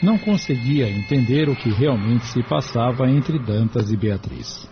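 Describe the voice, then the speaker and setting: A man narrating an audiobook in a measured, even manner. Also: medium pitch, muffled recording, over music.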